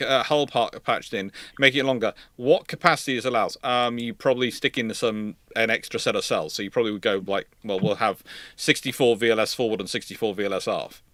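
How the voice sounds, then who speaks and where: Man, British accent, mid-pitched, livestream host, rambling explainer, stammered repeats, dry close mic. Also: fairly bright tone, no echo. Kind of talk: casual naval history question-and-answer chat.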